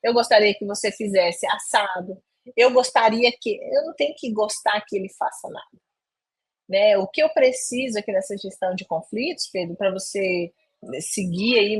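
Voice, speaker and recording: A woman's voice: mid-range voice, moderate pace, husky. A middle-aged woman speaking at a leadership webinar, telling a story from her own work life and acting out the dialogue in it. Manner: animated, acts out quoted dialogue.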